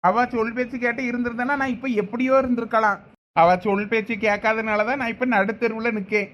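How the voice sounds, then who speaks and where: A man with a Thoothukudi Tamil accent voicing an aggrieved middle-aged brother in a cartoon family drama, arguing loudly and insistently. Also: very high voice, flat delivery, fast. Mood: angry.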